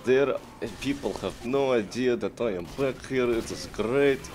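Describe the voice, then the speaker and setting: A man's voice: medium pitch, a little slow, a little mellow, lightly acted. A man voicing a boastful Russian heavy gunner in broken English with a Russian accent, giving comic commentary on a video game. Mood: boastful, pumped. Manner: broken English, mock-serious bragging. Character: boastful, vodka-loving Russian heavy gunner, big sneaky ninja. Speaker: gameplay commentator. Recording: noisy game sound behind voice. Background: video game combat noise.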